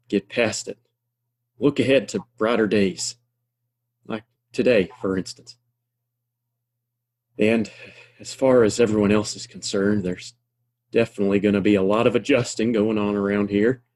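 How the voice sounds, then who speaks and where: A man's voice: fairly low pitch, steady tone, moderate pace, long pauses, darkish tone, lightly acted. An American actor playing a kindly, wry frontier townsman in a Western audio play, with a folksy, plainspoken, reassuring drawl.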